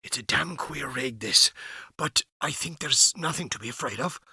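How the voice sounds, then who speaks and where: A man's voice: mid-range voice, lively intonation, moderate pace, bright, forceful tone, husky, dry recording, studio quality, exaggerated voice. A man voicing a blunt, practical sailor who speaks brusquely and colloquially. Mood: coaxing. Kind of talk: storybook reading.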